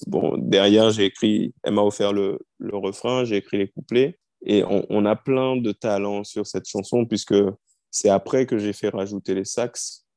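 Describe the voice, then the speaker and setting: Man, 30s, low warm voice, easygoing storyteller, dry close sound. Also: fairly even intonation, moderate pace, no room sound. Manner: storytelling, easygoing, frequent fillers. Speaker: singer-songwriter guest. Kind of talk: relaxed interview talk.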